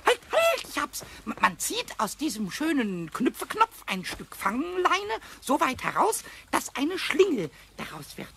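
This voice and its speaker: A man playing a cheeky, boastful little kobold with a squeaky, shrill voice, stammering and repeating words excitedly in a children's radio play. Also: a little slow, creaky, hardly any pauses, exaggerated voice. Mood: curious, musing. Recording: faintly noisy old cassette recording.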